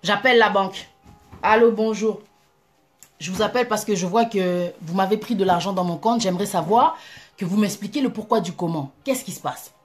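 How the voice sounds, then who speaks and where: A woman telling an animated, emphatic personal testimony in a casual way. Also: mid-range voice, normal speed, soft background music. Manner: animated, emphatic, breaks into laughter. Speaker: Christian vlogger.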